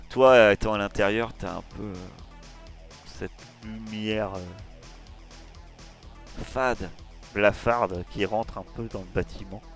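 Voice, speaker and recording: Male game master, deliberate low voice, unhurried scene-painting narration over faint music. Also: fairly bright tone. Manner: slow, searching, descriptive scene-setting. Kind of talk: narrating a tabletop horror game.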